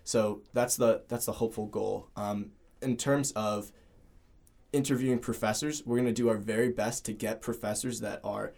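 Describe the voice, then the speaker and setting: A man's voice: lowish voice, steady tone, moderate pace, vocal fry, a little mellow. A young man from Ohio, a student co-hosting a podcast, talking in an earnest casual way with some restarts. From Cleveland, Ohio. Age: young adult. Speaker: podcast co-host.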